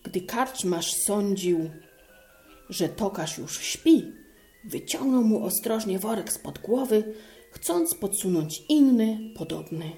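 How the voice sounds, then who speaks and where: A woman calmly narrating a fairy tale aloud. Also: mid-range voice, slow pace, soft background music.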